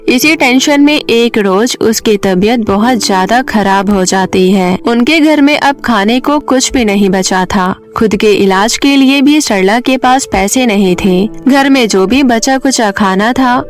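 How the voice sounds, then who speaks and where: A woman's voice: on the high side, measured pace, few pauses, faint music behind. A woman narrator telling a scripted bedtime story for children.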